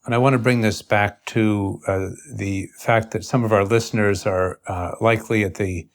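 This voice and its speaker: A man interviewing in an earnest intellectual conversation, speaking in formal academic phrases with a halting, searching delivery. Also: lowish voice, steady tone.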